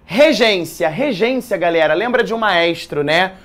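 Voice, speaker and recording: A man teaching an exam-prep writing lesson, lively, slangy and joking as he explains grammar rules. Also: sits high, normal speed.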